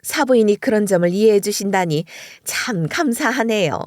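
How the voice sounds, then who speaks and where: A woman's voice: mid-range voice, lively intonation, moderate pace, a little mellow, no room sound, studio quality, lightly acted. A woman voicing a scheming, sarcastic middle-aged mother-in-law who needles with false politeness.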